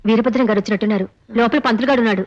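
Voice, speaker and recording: An actress playing a quick-witted young courtesan in a film comedy, coaxing and teasing. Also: female voice, a little high, dull audio, natural voice.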